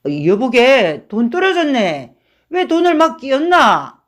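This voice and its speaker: A woman's voice: high voice, very animated, a little slow, voice pushed up, full character voice. A woman voicing a middle-aged male drinking friend who scolds in exasperation. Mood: baffled scolding.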